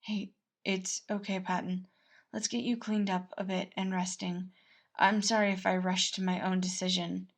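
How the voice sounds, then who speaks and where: A woman's voice: mid-range voice, little pitch movement, natural voice. Woman as an earnest, formal young royal advisor. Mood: tender, careful. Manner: measured, formal wording.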